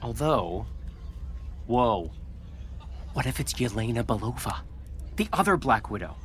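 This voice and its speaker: An actor playing an eager, awkward, nerdy enthusiast in an audio drama, excitable and a little hesitant. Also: male voice, mid-range voice, unhurried, a little hiss or hum, close to an everyday voice. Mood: eager, excited. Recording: faint background ambience.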